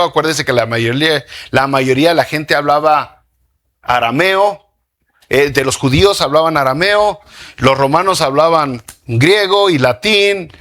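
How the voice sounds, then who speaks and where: A man preaching a sermon as pastor, lively, asking the congregation questions and dropping in slang. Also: mid-range voice.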